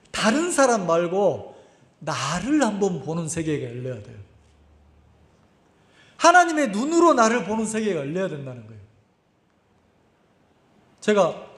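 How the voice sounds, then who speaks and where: A male pastor preaching a sermon in a conversational way, acting out scenes and asking the congregation questions. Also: sits high. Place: church sanctuary. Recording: echoey church sanctuary.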